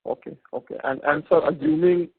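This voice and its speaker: A man asking questions as an analyst on a conference call, polite and halting, often repeating words. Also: a little high, steady tone, breathy edge, dry recording. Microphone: phone handset. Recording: tinny narrow phone line.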